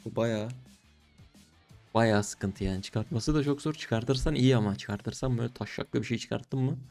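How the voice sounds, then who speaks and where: Young male case-opening streamer, warm tone, slangy and excitable, soft music behind. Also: medium pitch, normal speed, vocal fry. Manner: slangy, excitable, pleading and groaning at results. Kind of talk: casual gaming commentary.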